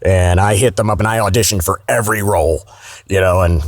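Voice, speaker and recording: A man's voice: low voice, a little fast, no echo, clean studio sound. A man speaking as a guest voice actor in a casual podcast interview, candid and salty-tongued.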